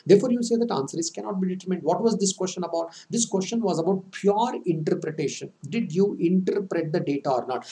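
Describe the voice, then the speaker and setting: A man, teaching an online exam-prep lecture. He talks quickly, with a fairly high voice and a dark, mellow tone. He keeps quizzing his students with emphatic rhetorical questions and repeats key points.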